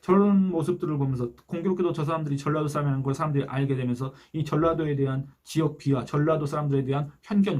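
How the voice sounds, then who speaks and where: A man's voice: on the high side, darkish tone. A man giving a solo political commentary, earnestly asking rhetorical questions and reading out online comments.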